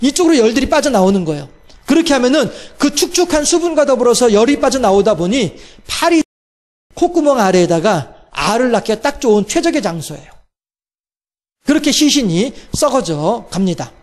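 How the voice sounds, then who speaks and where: A male pastor with a strikingly high voice delivers a sermon. He keeps asking his listeners rhetorical questions. When he quotes someone, he slows down and goes soft. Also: sing-song. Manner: rhetorical questions, voices God's quoted words softly and slowly.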